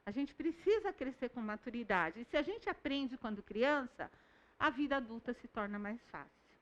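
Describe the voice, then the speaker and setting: Calm woman teaching a Bible lesson. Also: a little high, normal speed, lo-fi sound. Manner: calm, explanatory, tells classroom stories. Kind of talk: recorded online lesson.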